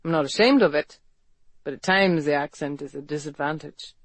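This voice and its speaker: A man's voice: on the high side, normal speed, fairly bright tone, dry recording. An actor playing a bold, protective Victorian London man who talks matter-of-factly and turns coaxing and flirtatious. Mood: earnest.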